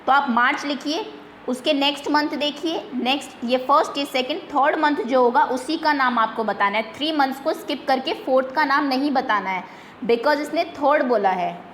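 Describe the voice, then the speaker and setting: A woman, a teacher leading a slow, patient quiz lesson for young pupils and repeating words carefully. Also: high-pitched, fairly bright tone, reverberant, slight background noise. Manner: patient, repeats slowly, mixes English terms.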